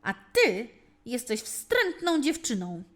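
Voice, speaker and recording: A woman's voice: on the high side, wildly swooping pitch, takes it slowly, heavily acted. A woman voicing an outspoken, impulsive young boy in a fairy tale, with emphatic delivery. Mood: scornful. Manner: exclaiming, emphatic.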